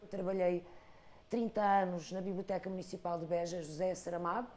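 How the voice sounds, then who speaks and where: A Portuguese woman in her fifties from the Algarve, an expressive storyteller talking about her life and craft, with an Algarve accent. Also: fairly low pitch, fairly quick. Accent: European Portuguese, Algarve. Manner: expressive storyteller, rhythmic lists. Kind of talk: reflective interview talk.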